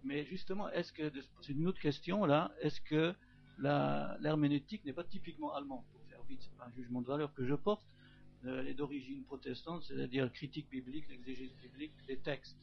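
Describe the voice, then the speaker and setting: A man's voice: mid-range voice, fairly even intonation, a little fast, vocal fry, husky, lo-fi sound. A man whose first language is German, asking a long, searching question after a lecture, often repeating words as he hesitates. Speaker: audience member asking questions.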